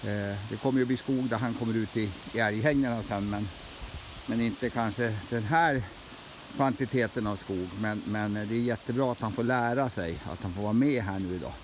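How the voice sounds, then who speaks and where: A middle-aged man talking casually as he films a walk outdoors. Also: on the low side. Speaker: moose keeper filming a walk. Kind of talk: casual outdoor narration, calling to animals. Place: forest path outdoors. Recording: noisy outdoor phone video. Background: outdoor ambience.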